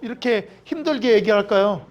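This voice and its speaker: A man's voice: sits high, fairly quick, lo-fi sound. A male pastor preaching a sermon in a church, blunt and plain-spoken, mixing jokes into stern points. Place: church sanctuary.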